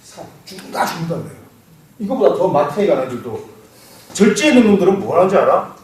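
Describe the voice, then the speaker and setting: A man giving a classroom lecture on fortune-telling, lively and quizzing his students, laughing now and then. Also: on the high side, quick pace. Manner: animated, asks students questions, laughs. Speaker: saju lecturer. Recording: roomy echo, mic far off, faint noise.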